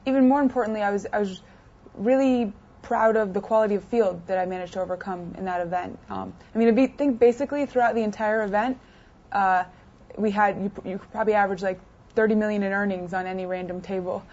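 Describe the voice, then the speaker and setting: Young woman, interview guest, chatty with fillers; middle pitch, lo-fi recording. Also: fairly even intonation, fast, darkish tone. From United States, partly raised in France. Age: 20s. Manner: chatty, many fillers and restarts. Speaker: interview guest, poker player. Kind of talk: casual interview answers. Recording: dull lo-fi sound.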